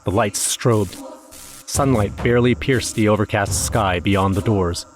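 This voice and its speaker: A man's voice: on the low side, unhurried, natural voice. A man playing a grim, shaken eyewitness, narrating a scripted first-person horror audio drama. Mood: dread. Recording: music under the voice.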